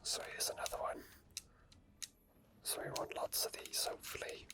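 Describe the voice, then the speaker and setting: Whispering man doing ASMR game commentary. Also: normal speed. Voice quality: breathy unvoiced whisper. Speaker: game streamer.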